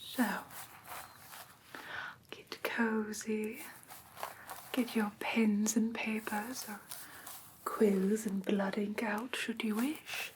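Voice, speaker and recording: A woman voicing a prim, strict vampire teacher in a soft, breathy whisper, formal and precise, for an ASMR roleplay class. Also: medium pitch, flat delivery, slight background noise, rough recording. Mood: formal, instructive. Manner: formal, precise, deliberate, theatrically stern. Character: prim, strict female vampire teacher of human pet care. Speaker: ASMR performer.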